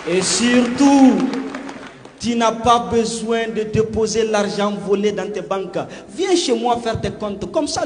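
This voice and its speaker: A man's voice: very high-pitched, a little hiss or hum. A man performing slam poetry in a rhythmic, declamatory delivery. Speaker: slam poet. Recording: long hall reverb with music underneath.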